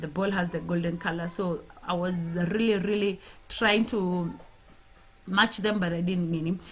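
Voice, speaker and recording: The voice moves at a moderate pace with fairly even intonation and long, frequent pauses. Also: woman, medium pitch for a woman. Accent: Kenyan. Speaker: DIY and home decor vlogger. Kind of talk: tutorial; casual chat. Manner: halting.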